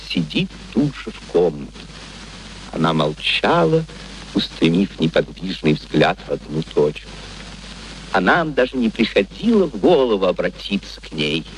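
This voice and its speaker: An actor playing a genteel gentleman who narrates a radio play in measured, literary, expressive storytelling. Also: fairly low pitch, a little hiss or hum, poor audio. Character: genteel gentleman narrator recounting events reflectively.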